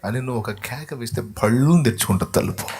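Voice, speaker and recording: A male pastor preaching quickly and softly between slow sung devotional lines. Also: mid-range voice, expressive, a crowd in the background. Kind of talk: sermon with sung worship. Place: church livestream.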